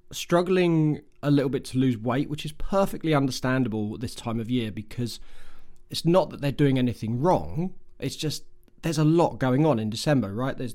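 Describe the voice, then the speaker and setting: A man in his forties, a health coach hosting a podcast, talking casually with a slightly croaky voice from a cold, often repeating words as he thinks. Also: medium pitch, a little mellow. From United Kingdom. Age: 40s. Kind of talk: casual solo podcast talk.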